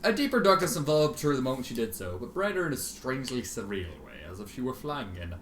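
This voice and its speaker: Expressive man reading, roomy recording. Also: mid-range voice, fast talker. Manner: expressive, sardonic. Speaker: amateur fan fiction reader. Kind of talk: dramatic story reading with casual asides. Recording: roomy, faintly noisy home recording.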